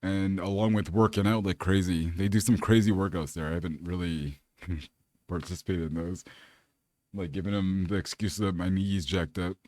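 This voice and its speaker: Laid-back male fitness vlogger from California, low voice, dry close recording, rambles casually. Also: steady tone, moderate pace, a little mellow, no room sound. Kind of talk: casual chat to camera.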